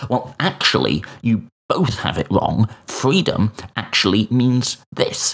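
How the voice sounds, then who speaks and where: Using a put-on character voice, a man sounds nasal, with lively intonation and medium pitch. He speaks at a fairly slow pace. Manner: dismissive.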